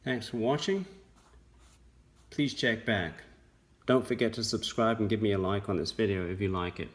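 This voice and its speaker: A man presenting a science video, explaining a demonstration step by step in measured, halting short phrases. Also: fairly low pitch, fairly even intonation. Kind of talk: explanatory narration of an electronics demonstration.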